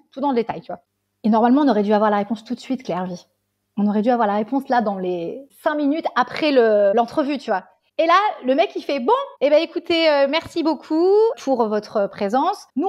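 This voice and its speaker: A woman guest on a podcast telling an animated, casual story, swearing freely and checking in with the listener. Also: medium pitch, dull audio. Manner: animated, swears casually, keeps saying "tu vois". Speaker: guest, tea salon founder.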